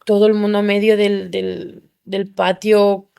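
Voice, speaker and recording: A young woman from Spain, a podcast guest, telling her story in an animated way and acting out the people she quotes. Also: medium pitch, slow, gravelly, clear, resonant tone. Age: young adult. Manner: animated, acts out quoted voices. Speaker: interview guest.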